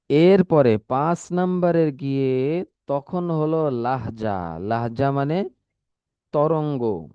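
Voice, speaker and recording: A man teaching a recitation class, explaining step by step and repeating key words slowly. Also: mid-range voice, clean tone, dry recording, highs cut off. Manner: patient, repetitive explaining, stretches words slowly when demonstrating. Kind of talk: spoken lesson.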